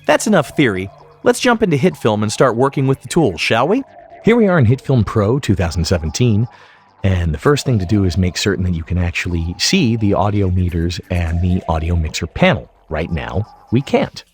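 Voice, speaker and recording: A middle-aged man giving scripted tutorial narration in a deliberate, emphatic way. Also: on the low side, a little mellow, slightly rough. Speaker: software tutorial instructor.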